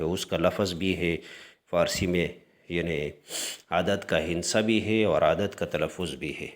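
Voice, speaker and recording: A man teaching a language lesson slowly, hesitating often and clearing his throat. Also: low-pitched. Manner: slow, repetitive, with frequent hesitations. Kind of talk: screen-share language lesson.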